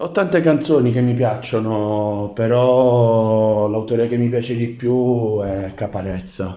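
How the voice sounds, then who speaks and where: In a room with audible echo, a man at a medium pitch talks at a very slow pace with hardly any pauses. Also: ordinary pitch variation. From southern Italy (Apulia/Basilicata). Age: 30s. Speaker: student and journalist. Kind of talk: recorded interview monologue. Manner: hesitant.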